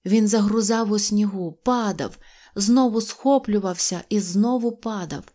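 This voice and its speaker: A woman reading an audio fairy tale in an expressive storytelling manner. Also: medium pitch, a little slow. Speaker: narrator.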